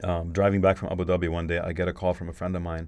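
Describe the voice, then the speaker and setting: A man with a Lebanese accent, a very deep, low pitch, monotone, flat intonation, and a very fast pace, on a very clean recording with a silent background. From Lebanon, Beirut. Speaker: entrepreneur. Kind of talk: casual interview.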